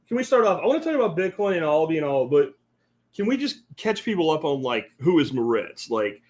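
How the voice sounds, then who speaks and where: A middle-aged man from central Pennsylvania hosting a podcast, talking in a casual, folksy and emphatic way, including sponsor reads. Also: a little high. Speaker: podcast host.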